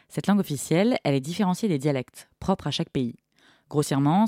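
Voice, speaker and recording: A woman hosting a podcast, calmly reading a scripted, reflective narration. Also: sits low, no room sound, studio quality. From partly Morocco. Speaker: podcast host.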